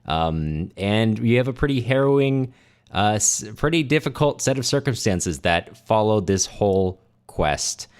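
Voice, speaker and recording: A man's voice: on the low side, expressive, a little slow, a little mellow, clean tone. A man hosting a podcast, talking through literature in a casual, conversational way. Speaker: podcast host.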